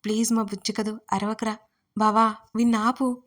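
A woman's voice: fairly high pitch, moderate pace, close to an everyday voice. A woman voicing a playful teasing young woman. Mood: hushed pleading. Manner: teasing, childlike banter.

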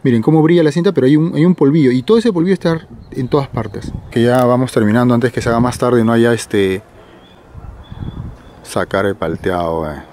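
A man's voice: mid-range voice, brisk, dark tone. A middle-aged Peruvian man casually narrating a night exploration vlog outdoors, hesitant and often repeating his phrases. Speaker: vlogger. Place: outdoors on a hillside cemetery at night. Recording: noisy outdoor night camera recording.

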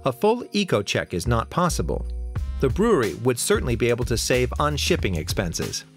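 A man reads a scripted news report in a steady, measured voice. His pitch moves freely up and down. Soft music plays beneath the narration. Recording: voice-over with faint music.

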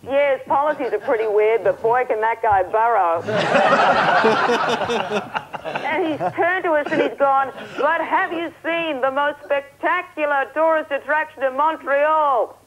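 Amid crowd noise and poor audio, a thirtysomething Australian woman speaks slowly in a high voice, telling a comic travel tale at her own expense. She is a comic correspondent on an earpiece link from a studio desk.

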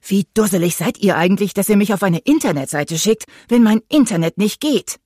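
Short-fused ferryman in an audiobook, played by a woman narrator: exasperated, loud, cursing. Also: fairly low pitch, big pitch swings, normal speed, no echo, studio quality. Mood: fed up. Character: grumpy, blustering male ferryman, middle-aged.

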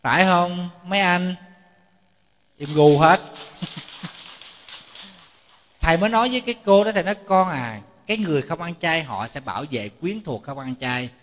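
A man's voice: high-pitched, expressive, fast talker, fairly bright tone. A man, a Buddhist monk giving a chatty storytelling sermon, often repeating words and joking with his audience. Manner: jokes with the audience. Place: temple lecture hall. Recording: reverberant hall.

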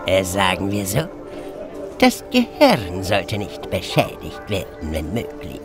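An actor playing a stilted, slyly amused alien client in a science fiction radio play, formal and halting, with odd chuckles. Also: male voice, deep voice, wildly swooping pitch, full character voice. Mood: sly, businesslike. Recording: music under the voice.

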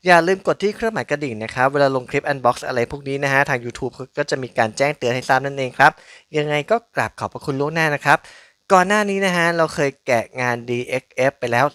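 A man hosts a toy unboxing in a medium-pitched voice. He talks casually and chattily, keeping his phrasing polite and informal. The sound is close and dry, with little room echo. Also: animated, quick pace, fairly bright tone, clear, resonant tone. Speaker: toy unboxing channel host.

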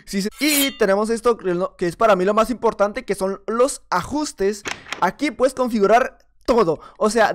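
A man's voice: sits high, slight background noise. Mexican man, gaming creator, talks through his own play in a loose, chatty way, laughs at himself. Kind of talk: casual gameplay commentary.

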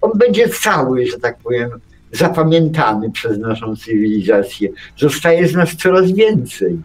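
A man co-hosting a radio show in casual chat, musing and halting as he rambles along. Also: medium pitch, big pitch swings, rough recording.

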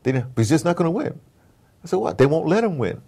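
A man's voice: fairly high pitch, sing-song, fast, warm tone, breathy edge. An American man telling rambling, opinionated stories in a casual interview, often digressing and acting out conversations. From United States. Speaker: interview guest, audio drama producer.

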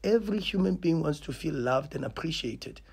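A man's voice: on the high side, animated, moderate pace, gravelly, a little mellow, breathy edge. A South African man in his thirties, a football coach speaking passionately at a post-match press conference, repeating and restarting words for emphasis, at a table mic in a small press room. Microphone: table mic on stand.

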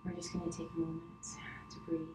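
Woman yoga teacher talking gently and slowly thru poses, pretty flat tone, echoey room w background noise. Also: deep voice. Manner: gentle, unhurried, soothing cues with pauses. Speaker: yoga instructor. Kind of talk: guided yoga instruction. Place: wood-panelled living room, indoors. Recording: roomy echo, clear background noise, distant camera.

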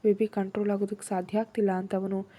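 A woman tells a romance story in the first person and acts out the heroine's every feeling. Her voice is very dark and mellow, with a husky grain. She reads it like a storyteller sharing a serial. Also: mid-range voice, little pitch movement, fast.

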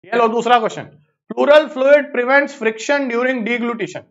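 A man with an Indian accent teaching biology in a live online exam-prep lecture, brisk and coaxing, repeating phrases to hurry his students along. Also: very high-pitched. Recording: slightly dull lo-fi audio.

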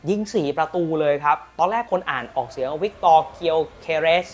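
Lively Thai football news host. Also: male voice, a little high, fast talker, soft background music. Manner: lively, emphatic storytelling with frequent polite particles. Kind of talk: energetic football news commentary and product pitch.

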